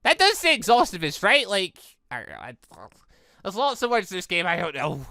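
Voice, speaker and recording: A bright, forceful let's-play host with a very lively, swooping delivery. The commentary rambles excitedly between stretches of reading aloud, and the sound is close and dry. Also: medium pitch, normal speed, dry recording. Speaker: host playing and reading a visual novel.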